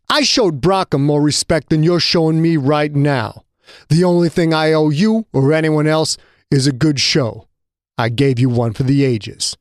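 A man's voice: on the high side, no echo. Man doing a furious defiant fighter, contemptuous, dry close sound. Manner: angry, contemptuous. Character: defiant young male fighter, furious and proud.

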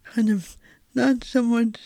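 An Irish woman, a guest playwright, reflects thoughtfully in conversation, speaking haltingly and often repeating words as she searches for them. Her voice is fairly high, steady, creaky, and dark in tone, in a dry recording.

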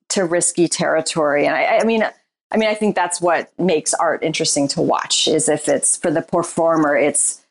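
A woman with a slightly low voice gives a candid, reflective interview about her work as a writer and performer. Her talk is loose and searching, full of "like" and "you know" as she works out her thoughts. She is a self-described introvert who still opens up easily. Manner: describes herself as shy and introverted.

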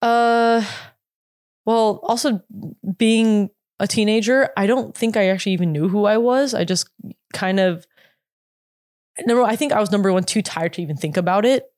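A woman in her late twenties, a former pop idol being interviewed, talking casually with lots of "like" and halting restarts. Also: medium pitch, a little mellow, no room sound, studio quality. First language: English. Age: 20s.

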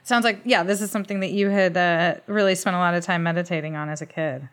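A woman's voice: on the low side, steady tone, quick pace. A woman from San Diego co-hosting an interview, chatty and hedging with lots of "like". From San Diego, California. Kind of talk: casual interview conversation.

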